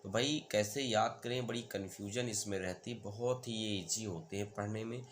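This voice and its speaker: A male teacher in an exam-prep lesson who chants word forms slowly and keeps asking whether it is clear. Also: on the low side, a little hiss or hum. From India.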